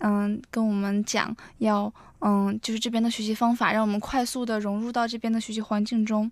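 Flat, monotone speech at a fairly quick pace, dry with no echo, against a quiet background. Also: woman, fairly high pitch for a woman. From northern mainland China. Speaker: exchange student; radio guest. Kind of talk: interview. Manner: hesitant, many fillers. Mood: friendly, relaxed. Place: studio. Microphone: studio mic.

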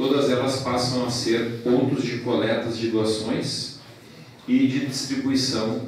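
Very slow, fairly even delivery amid strong room echo and light background noise. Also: man. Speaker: president of a professional council. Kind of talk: formal speech. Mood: serious, about flood disaster. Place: hall.

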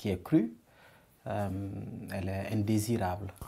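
A man's fairly low, dark, mellow voice, very slow, with fairly even intonation. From Burkina Faso. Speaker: poetry reader; guest. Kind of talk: personal reflection. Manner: hesitant, many filler sounds. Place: studio. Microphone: lapel.

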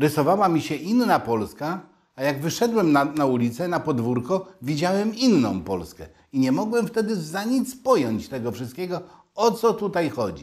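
Against a quiet background, a man speaks at a moderate pace. His pitch swings very widely. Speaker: interviewee. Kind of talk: interview answer. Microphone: lapel.

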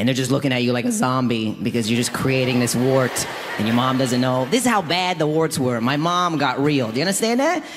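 The speaker talks at a fairly quick pace with hardly any pauses, very even loudness and ordinary pitch variation, with noticeable background noise behind. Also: man. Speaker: comedian. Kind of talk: stand-up. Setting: stage with audience. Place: stage. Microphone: handheld.

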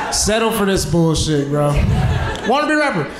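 A high-pitched man against noticeable background noise. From United States. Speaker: stand-up comedian. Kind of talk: stand-up comedy set. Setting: stage with audience. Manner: animated, punchy storyteller. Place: stage. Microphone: handheld.

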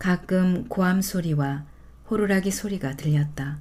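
The tone is calm. The pace is very slow. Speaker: audiobook narrator. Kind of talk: reading aloud.

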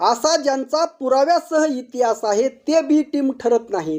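Here a man's voice sits extremely high in pitch, with ordinary variation. The tone is dark and mellow. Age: 40s. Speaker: farmer and political video commentator. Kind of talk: political commentary monologue. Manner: animated.

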